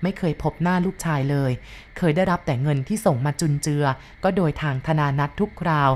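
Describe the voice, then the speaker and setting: Low-voiced woman reading a story. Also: brisk, a little mellow. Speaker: narrator.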